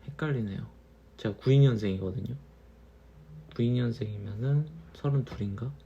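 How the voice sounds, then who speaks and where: Man in his thirties, dark gravelly voice, tipsy, slow reflective talk, dull lo-fi sound. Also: medium pitch, a little hiss or hum. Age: 30s. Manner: slow, musing, repeats phrases. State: tipsy from wine. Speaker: channel host. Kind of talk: reflective casual monologue.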